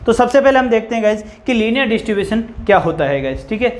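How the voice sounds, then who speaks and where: A man's voice: high-pitched, very animated, fast. A man teaches a physics lesson in an echoey room. He asks the class questions and answers them himself, saying "guys" over and over. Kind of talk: whiteboard lecture.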